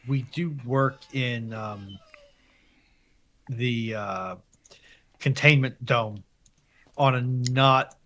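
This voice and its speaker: A man in a casual panel discussion, explaining things in a halting, measured way. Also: medium pitch, a bit bright.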